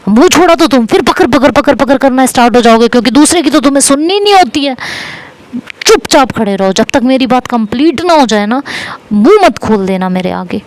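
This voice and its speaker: A woman voicing a furious young woman who scolds her girlfriend, shouting and repeating words in anger. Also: sits high, animated, fairly quick, voice pushed up.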